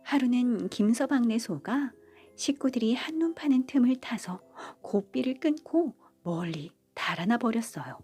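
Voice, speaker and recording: A woman reading a bedtime folk tale in a gentle, motherly storytelling manner. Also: a little high, lively intonation, unhurried, breathy edge. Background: faint background music.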